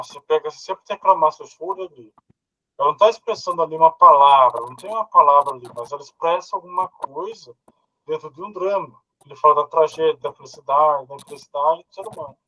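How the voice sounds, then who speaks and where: A man's voice: fairly high pitch, bright, forceful tone, no echo, low-quality recording. A Brazilian man in a casual group discussion, thinking aloud with hesitant fillers and short laughs, heard over a video call. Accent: Brazilian Portuguese. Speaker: philosophy study group participant.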